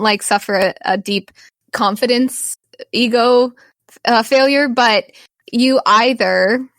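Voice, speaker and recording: A woman's voice: medium pitch, fairly bright tone, no room sound, studio quality. A woman hosting as game master, narrating an improvised tabletop game. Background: background music.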